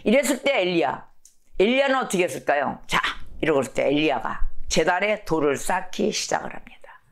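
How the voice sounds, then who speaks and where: A woman pastor giving a Sunday sermon, telling the story vividly and putting questions to the congregation. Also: fairly low pitch.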